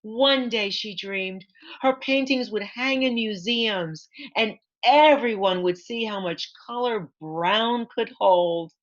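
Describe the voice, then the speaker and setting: A woman author reading her picture book aloud to children in an expressive storytime manner, with asides to point things out. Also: mid-range voice, takes it slowly, highs cut off. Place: online library event.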